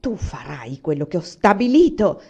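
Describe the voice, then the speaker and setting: A woman voicing a stern noblewoman who loudly and peremptorily scolds her daughter. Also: fairly low pitch, sing-song, moderate pace, breathy edge, full character voice. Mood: scolding. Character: stern, harried noblewoman mother.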